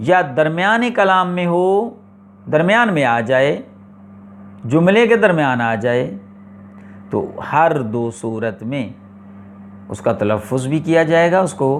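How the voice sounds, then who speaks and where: A man teaching the rules of Quran recitation in a classroom lecture, explaining slowly and deliberately, repeating his points and asking rhetorical questions. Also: a little high. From Pakistan.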